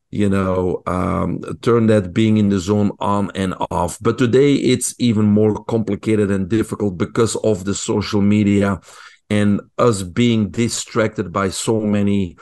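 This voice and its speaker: A Belgian-accented man with a lowish voice answers questions on a radio interview. He speaks as a motivational coach, talking through his competitive drive and goals. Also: a little mellow. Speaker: guest, mentor and coach.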